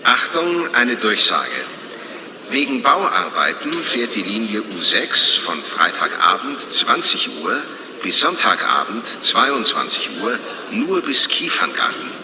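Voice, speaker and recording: A man reading a formal transit announcement over a station loudspeaker. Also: lowish voice, big pitch swings, slow pace. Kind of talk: scripted public announcement. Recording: echoey hall with crowd behind.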